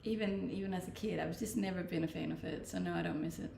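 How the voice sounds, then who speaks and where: A woman's voice: lowish voice, quick pace, vocal fry, a little hiss or hum. A young woman from Denmark, a native Danish speaker, casually answering chat questions on a live stream, reading each question aloud before replying. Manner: relaxed, reads questions aloud then answers. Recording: roomy, distant-mic home stream.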